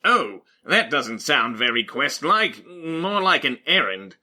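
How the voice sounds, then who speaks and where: A man playing an excitable, blunt companion on a fantasy quest, speaking theatrically in an audio drama. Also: mid-range voice, slow pace, heavily acted. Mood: skeptical. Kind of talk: scripted audio fiction acting.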